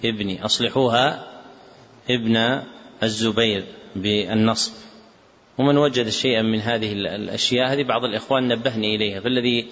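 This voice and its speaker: A man's voice: lowish voice, fairly quick, fairly bright tone. Guy teaching a class, telling students what to fix, dull echoey hall sound. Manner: instructive, directing students, spells out corrections. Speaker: teacher of a hadith text class. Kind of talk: classroom lesson with corrections.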